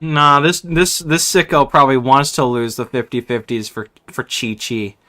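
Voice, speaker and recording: A man's voice: mid-range voice, fairly even intonation, moderate pace, sharp tone. A young man chatting casually with viewers while streaming a game, slangy, joking and sweary. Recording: game music faintly behind.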